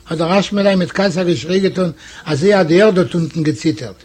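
A man from Eastern Europe reading a classic story aloud in measured storytelling. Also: high voice, a little mellow, slightly rough. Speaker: audiobook narrator. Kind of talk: scripted literary narration.

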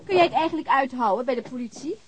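A woman's voice: high-pitched, lively intonation, racing, a little hiss or hum, rough recording. An actress playing a frank, inquisitive woman in a naturalistic radio drama, talking informally and probing with short questions. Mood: casual, curious. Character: frank, inquisitive woman hosting a guest at home.

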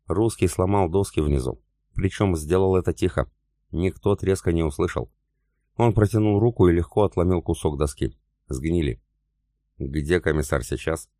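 Male audiobook narrator, extremely low voice, dry close sound. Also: normal speed, warm tone, no echo. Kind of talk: scripted narration of a war novel.

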